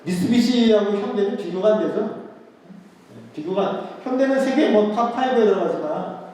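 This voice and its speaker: A man's voice: sits high, lively intonation, moderate pace, warm tone. A man giving a history lecture to an audience in a conversational way, asking rhetorical questions and repeating key words. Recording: echoey hall, voice picked up from a distance.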